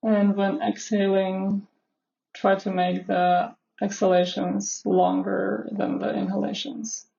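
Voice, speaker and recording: A woman leading a guided meditation in a measured, instructional way, with long pauses between phrases. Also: medium pitch, level tone, gravelly, warm tone, muffled recording. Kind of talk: guided meditation, live session.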